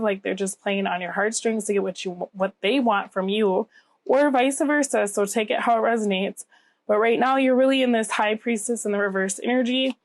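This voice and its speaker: Woman with a slightly nasal, scratchy voice. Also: a little high. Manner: conversational, often checking in with "okay?" and "right?". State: getting over a cold. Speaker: tarot reader, channel host. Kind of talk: casual tarot reading to viewers.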